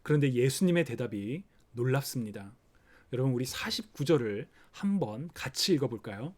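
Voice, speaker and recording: A man preaching a sermon for an online service, explaining a scripture passage gently and acting out the worried thoughts of parents. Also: mid-range voice, lively intonation, moderate pace. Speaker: pastor. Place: online worship recording.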